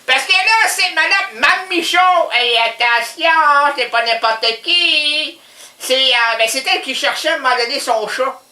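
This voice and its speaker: A man's voice: very high voice, measured pace, echoey room, exaggerated voice. A man voicing a rambling, scatterbrained older housewife with a Quebec French accent in a radio comedy sketch. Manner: rambling, scatterbrained, prone to sudden shouts. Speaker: comic character caller.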